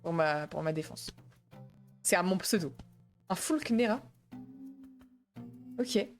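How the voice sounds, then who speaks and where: A woman's voice: lowish voice, animated, slow pace, faint music behind. A young woman streamer chatting casually and laughing with panicky yelps while she plays a game. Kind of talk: casual gaming stream commentary.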